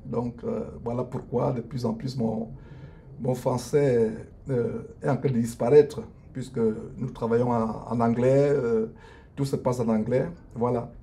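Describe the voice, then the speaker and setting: A middle-aged man, a lawyer and online minister, speaking on an improvised live stream from his office, hesitant with many drawn-out fillers and restarts, and earnest in a preachy way. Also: mid-range voice, fairly even intonation, warm tone, slight background noise. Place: his law office at lunch break.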